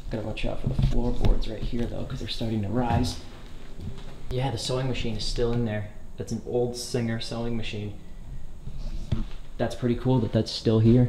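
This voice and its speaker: A man's monotone, flat delivery with long, frequent pauses over noticeable background noise. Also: moderate pace. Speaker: urban explorer vlogger. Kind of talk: casual vlog chat. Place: empty room. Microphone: phone near.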